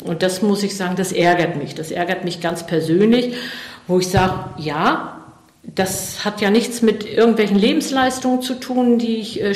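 A woman's voice: on the low side, reverberant. A middle-aged woman from eastern Germany answering interview questions thoughtfully, with many fillers and restarts. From East Germany.

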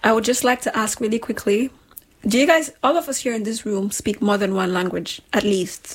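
A woman's voice: medium pitch, fast talker. A woman hosting a casual group chat. She speaks playfully and teases her guests. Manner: playful, teasing, lively. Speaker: host.

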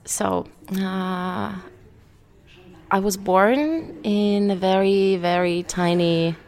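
A woman born in Siberia, Russia, telling a personal story in a hesitant way with many pauses. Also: medium pitch, darkish tone.

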